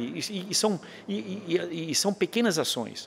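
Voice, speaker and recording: A man speaks at a fairly slow pace with lively intonation. Light background noise sits under his voice. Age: 50s. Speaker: city councillor; elected city councillor. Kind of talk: interview. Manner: halting, with repetitions and fillers. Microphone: podium.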